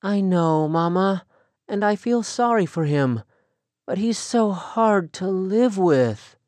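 A man's voice: high voice, expressive, slow pace, a little mellow, dry recording, pitched above the performer's own voice. A male audiobook narrator voicing a spirited, restless young Amish woman who talks in an earnest, pleading way. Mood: frustrated.

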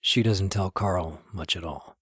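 A man reading scripted podcast narration in a reflective, wry, measured way, like a storyteller. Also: sits low, fairly bright tone, husky, no echo, clean studio sound. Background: music.

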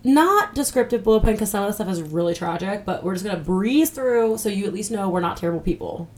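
A woman's voice: mid-range voice, expressive, fast, darkish tone, slight background noise. A woman with a nasal voice co-hosting a podcast in candid, casual chat. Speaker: podcast co-host.

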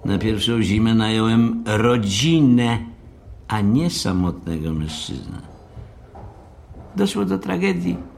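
A haughty, pedantic hotel manager in a dramatised audiobook. His delivery is formal and fussy, with lively swings of pitch and some creak in the voice. Faint background noise sits underneath. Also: slow, long pauses, full character voice. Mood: stern, explanatory. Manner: formal, fussy, long-winded.

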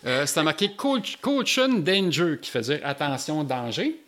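A man's voice: on the high side, moderate pace. Québécois man telling a wild story. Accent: Québécois French. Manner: animated storytelling with Quebec slang.

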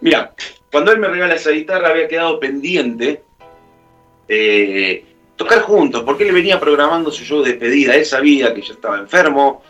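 A man's voice: a little high, lively intonation, fairly quick, a bit bright, recorded from a distance, lo-fi sound, soft background music. Rioplatense man telling a heartfelt story. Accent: Rioplatense Spanish. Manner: heartfelt, acts out quoted dialogue. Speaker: guest musician. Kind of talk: emotional storytelling in an interview.

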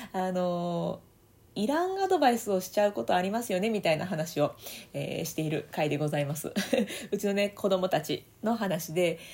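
A woman with a Kansai accent talking casually on her solo podcast, laughing often between phrases. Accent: Kansai Japanese. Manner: animated, swoops up and down in pitch. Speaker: audio podcaster and voice coach.

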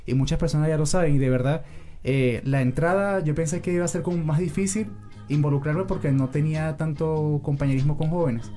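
Fast-talking Venezuelan man, mellow voice. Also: on the high side, steady tone, soft background music. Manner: earnest, speaks of faith. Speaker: youth co-host. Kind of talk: casual church talk show chat.

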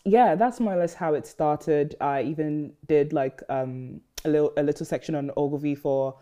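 A woman's voice: deep voice, moderate pace. A young woman from Ghana, a podcast guest, chatting casually and rambling with lots of "like" and "um". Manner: relaxed, rambling, many "like" and "um" fillers. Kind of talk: casual interview chat.

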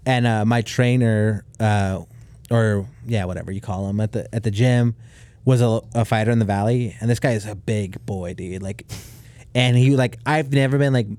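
A man's voice: fairly low pitch, moderate pace, a little mellow, clean tone, no room sound. A young man co-hosting a podcast in casual chat, laid-back and full of "like" and "dude". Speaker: podcast co-host.

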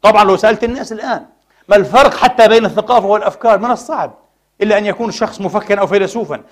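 A man's voice: high-pitched, very fast. A man preaching a Friday sermon in a mosque, impassioned and full of rhetorical questions to the congregation.

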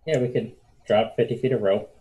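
Mellow-voiced man player. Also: mid-range voice, steady tone, brisk, poor audio. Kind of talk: casual tabletop game chat.

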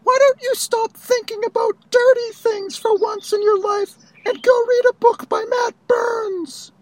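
A woman plays a prim, preachy lady in a homemade mock ad. She lectures in a very high, piercing voice, full of righteous scolding. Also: steady tone, a little slow, darkish tone, a little hiss or hum, low-quality recording. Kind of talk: comedic mock ad skit.

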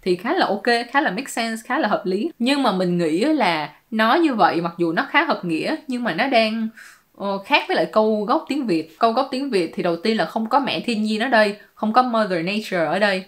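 A woman's voice: fairly high pitch, expressive, moderate pace. A woman, giving casual, playful commentary as a YouTuber explaining her song-lyric translations and dropping English words into her talk.

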